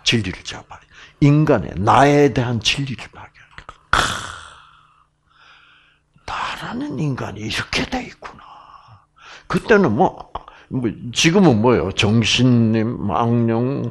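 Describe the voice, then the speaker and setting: A man giving a health lecture, telling a personal story in an animated way and acting out the sounds in it. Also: on the low side.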